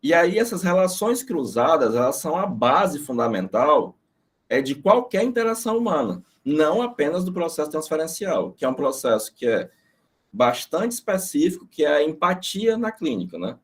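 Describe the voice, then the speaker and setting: Teaching an informal class online, a middle-aged man from Brazil animatedly tells stories that are casual and profane. He speaks at a normal speed in a slightly high voice.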